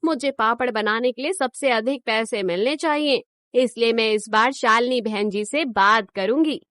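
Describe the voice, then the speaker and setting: A woman's voice: a little high, normal speed, a bit bright, no room sound, lightly acted. A woman voicing a proud, greedy village woman in a cartoon story, who talks in a boastful, indignant way.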